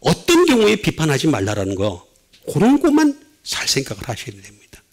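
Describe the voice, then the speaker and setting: A middle-aged male pastor preaching a sermon, with sudden swings between loud and soft. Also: fairly high pitch, huge pitch swings, a little fast, slight background noise.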